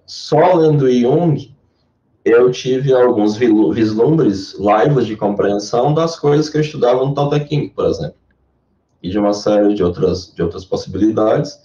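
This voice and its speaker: A man's voice: medium pitch, mellow, distant mic. A man with a Brazilian Portuguese accent, a Jungian therapist answering interview questions in a careful, lecture-like way. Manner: explanatory, lecture-like. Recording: echoey dull lo-fi sound.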